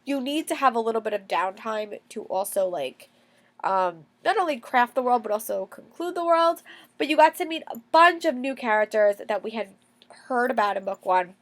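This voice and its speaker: Congested young woman with a cold, enthusiastic book vlogger, slightly high voice, repeats words for emphasis. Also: expressive, normal speed, fairly bright tone. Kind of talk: casual reading wrap-up vlog.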